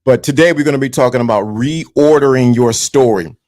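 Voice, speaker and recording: A man's voice: medium pitch, fairly quick, a little mellow. A man in his fifties hosting a live stream, giving a motivational talk to his viewers and repeating his key points. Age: 50s. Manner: repetitive, preachy, addresses viewers directly. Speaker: livestream host.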